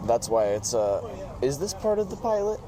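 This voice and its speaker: A man's voice: medium pitch, sing-song, normal speed, a crowd in the background. A young American man projecting his voice in casual chat as a podcast guest, recorded outdoors. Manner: projecting, loud. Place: outdoors in public at a busy drive coffee stand. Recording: noisy outdoor urban drive-through ambience. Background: outdoor ambience and vehicle noise.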